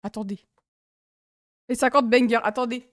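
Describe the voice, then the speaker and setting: A woman's voice: a little high, steady tone, normal speed, no echo, studio quality. A young woman from France streaming live, chatting casually and giggling as she reacts to her viewers.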